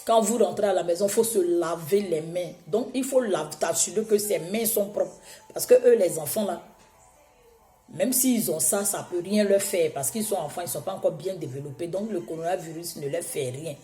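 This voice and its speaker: A woman preaching a sermon, hoarse from a cold, exhorting her listeners with emphatic repetition. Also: on the low side, normal speed, dark tone, roomy sound, faint music behind.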